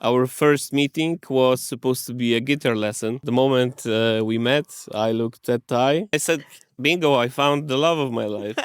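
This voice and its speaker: Polish guy in his 30s, smooth clear voice, laid back, dry sound. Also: medium pitch, normal speed, dry recording. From Poland. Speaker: interviewee. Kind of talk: casual interview.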